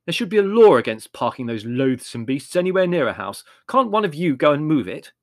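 A man's voice: medium pitch, big pitch swings, brisk, dry recording, clean studio sound. A man voicing a pompous, peevish young writer who declaims his grievances.

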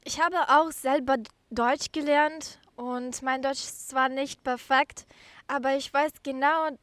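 Female podcast guest, high voice, halting delivery, dry close recording. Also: fairly even intonation, fairly bright tone, no room sound. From Ukraine. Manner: halting, careful non-native phrasing. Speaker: podcast guest, career mentoring volunteer. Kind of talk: interview answers.

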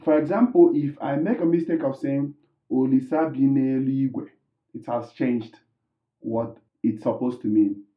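A man's voice: medium pitch, unhurried. Male Igbo-native teacher, patient explainer, roomy tinny call audio. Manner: explains patiently with many ums and restarts. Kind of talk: casual language lesson.

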